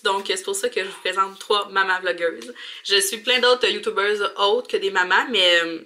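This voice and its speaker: A young woman with a Quebec accent and a very bright, forward voice talks in a colloquial, chatty way. She speaks informally to the camera, as in a home vlog filmed in a bathroom. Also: medium pitch. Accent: Quebec French. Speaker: mom vlogger. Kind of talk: casual vlog chat to camera.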